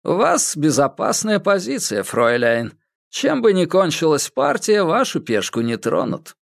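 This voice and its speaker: A man's voice: a little high, wildly swooping pitch, measured pace, creaky, dry recording, clean studio sound, voice pushed up, full character voice. A man reading an audiobook voices a cheerful, cruel old German man with a mocking lilt.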